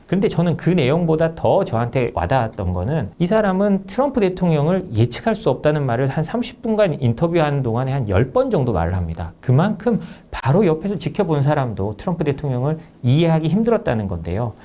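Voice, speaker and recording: Man, interview guest, lively rising and falling pitch, warm mellow tone, emphatic explaining. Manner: measured, emphatic analytical explaining.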